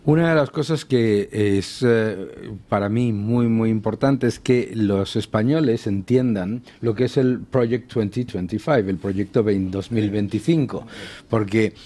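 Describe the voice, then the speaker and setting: A man commenting on a radio panel, explaining in a measured way. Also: fairly low pitch, warm tone.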